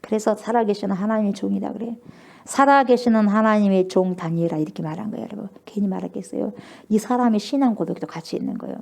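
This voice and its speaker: Speaking fast in a darkish, mid-range voice with vocal fry, a woman pastor delivers an emphatic sermon. She asks the congregation questions and acts out passages of scripture with mounting feeling.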